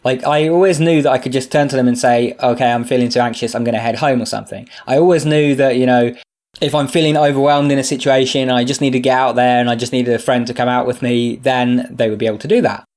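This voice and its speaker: A man's voice: mid-range voice, steady tone, fast, darkish tone. A young man with a stuffy nose from a sinus infection, talking earnestly and openly to camera in a casual vlog, with lots of fillers. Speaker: video creator.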